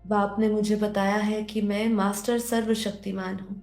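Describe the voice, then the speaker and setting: A woman leading a guided meditation and spiritual teaching in a gentle, instructive manner, often repeating phrases. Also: mid-range voice, level tone, moderate pace. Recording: roomy echo under background music. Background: music.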